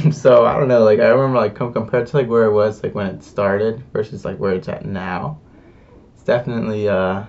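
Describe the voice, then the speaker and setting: A man's voice: lowish voice, fairly even intonation, fairly quick, darkish tone, far from the mic, dull audio. A young man talking casually to the camera in a rambling, laid-back way, full of fillers and slang. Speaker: vlogger. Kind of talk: casual confessional chat.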